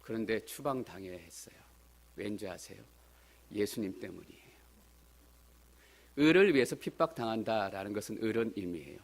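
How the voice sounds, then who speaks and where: A man's voice: fairly low pitch, lively intonation, moderate pace, gravelly, pauses often. A man preaching a Sunday sermon as a pastor, earnest and building to emphatic appeals. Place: church sanctuary.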